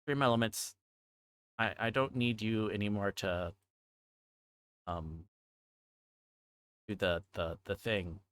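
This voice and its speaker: Slow, halting man chatting on a livestream. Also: on the low side, fairly even intonation, fairly bright tone, smooth. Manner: halting, repetitive, scattered delivery. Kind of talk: casual livestream chat.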